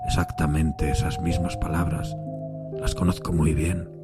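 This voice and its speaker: A man voicing a troubled, deferential railway signalman in a gothic audio story, speaking gravely, slowly and in a hushed way. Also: sits low, little pitch movement, over loud music. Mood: uneasy, insistent. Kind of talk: dramatised gothic audiobook dialogue.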